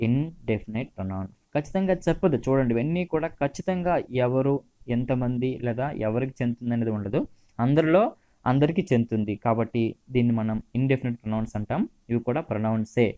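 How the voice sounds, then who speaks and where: A man with a Telugu accent teaching English grammar, reading each example sentence slowly before explaining it. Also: medium pitch, phone-quality sound.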